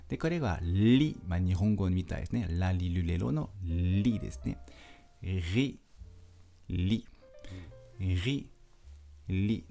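A man's voice: deep voice, mellow. Patient man teaching pronunciation. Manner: slow, patient, repeats sounds for drills. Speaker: French teacher. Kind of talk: pronunciation lesson. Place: language school.

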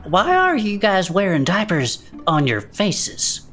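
A woman's voice: medium pitch, huge pitch swings, slow, a bit bright, soft background music. A woman roleplaying in a tabletop game in a sardonic manner.

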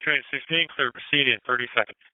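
A man's voice: mid-range voice, fairly even intonation, very slow, smooth, dry recording. A man working as a train control dispatcher, heard through a two-way radio transmission and giving orders in clipped dispatch procedure. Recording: tinny radio line.

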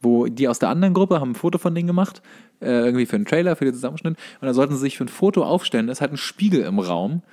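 A man's voice: mid-range voice, animated, rapid-fire, warm tone. A man co-hosting a podcast in casual chat, telling stories in an informal, loosely rambling way. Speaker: podcast co-host.

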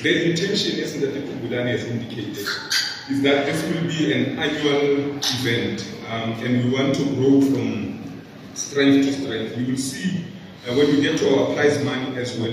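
Middle-aged man, organizer giving a launch talk at a podium, halting and filler-heavy, heard from afar in a booming hall with steady background noise. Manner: halting, many fillers and repeated words. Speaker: event organizer presenting at a launch. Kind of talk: public presentation speech. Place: large indoor mall venue with stage. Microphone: podium microphone. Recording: echoey hall recorded from far off.

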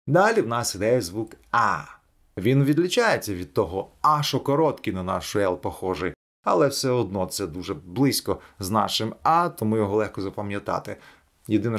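Gravelly man teaching English pronunciation. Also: lowish voice. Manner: demonstrates sounds slowly and clearly. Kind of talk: video lesson.

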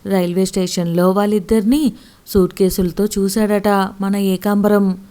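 A woman voicing a stern, proud middle-aged village father who scolds and shouts in fury. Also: mid-range voice, little pitch movement, normal speed, natural voice. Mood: furious.

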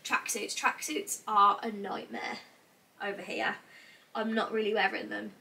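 A young British woman vlogging casually while sorting clothes in her bedroom, thinking out loud with lots of "like", a little congested from a cold, heard from a camera across the small room. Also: medium pitch, level tone, measured pace, gravelly. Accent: British English. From England. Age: young adult. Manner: chatty, thinks out loud, frequent "like". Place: small cluttered bedroom wardrobe room indoors. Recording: distant mic, faint noise.

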